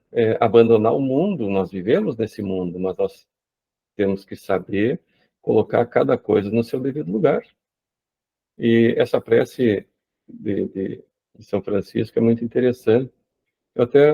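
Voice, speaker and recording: A man's voice: medium pitch, creaky. A man leading a casual group discussion over a video call, talking conversationally with frequent tag questions. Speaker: study group leader. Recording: tinny phone-like line.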